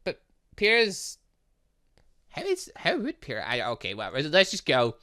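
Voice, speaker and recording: A man hosts a gaming video in a slightly high, bright voice. His delivery swings widely in pitch as he reads dialogue and reacts excitably to the story. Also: unhurried. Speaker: gaming channel host. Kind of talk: let's play commentary, reading game dialogue aloud.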